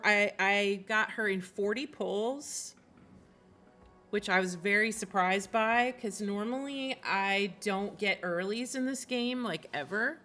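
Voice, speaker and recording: A woman's voice: mid-range voice, pushed and bright. A woman game streamer chatting casually and expressively on a livestream, in an informal way. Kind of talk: casual livestream chat about games.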